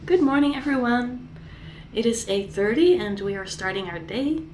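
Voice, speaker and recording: A woman in her thirties with a Dutch accent, a mom chatting casually through a home vlog, her voice raspy from a sore throat and her talk full of fillers and restarts. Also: a little high, expressive, moderate pace, darkish tone, reverberant, slight background noise, rough recording. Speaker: vlogger, mom. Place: apartment kitchen.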